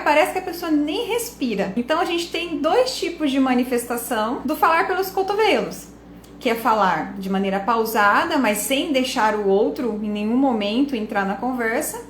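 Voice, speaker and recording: A woman's voice: high voice, roomy sound, a little hiss or hum. A woman, hosting a reflective talk to camera and often tossing in rhetorical and tag questions. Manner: conversational, asks rhetorical questions, frequent tag questions. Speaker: speech and listening coach, channel host.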